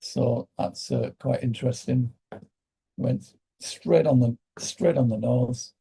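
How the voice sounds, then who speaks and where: Man, British accent, croaky, very dark tone, husky, halting live trading commentary. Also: mid-range voice. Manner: thinking aloud, halting with fillers. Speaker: day trading host.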